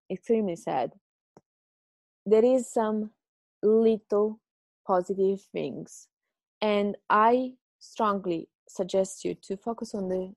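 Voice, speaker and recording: Brief: Italian woman podcaster, gravelly low-toned voice, chatty and encouraging, dry close sound. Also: a little mellow, no room sound. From Italy. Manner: chatty, self-mocking, encouraging. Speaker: podcast host. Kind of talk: casual advice monologue. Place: home.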